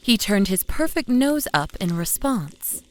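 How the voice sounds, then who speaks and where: Young mom narrator: medium pitch, fond yet anxious, conversational, expressive audio drama storytelling. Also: female voice, measured pace. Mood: fond, patient. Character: loving, anxious young mother narrating her memories. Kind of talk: first-person scripted audio drama narration. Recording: faint music behind narration.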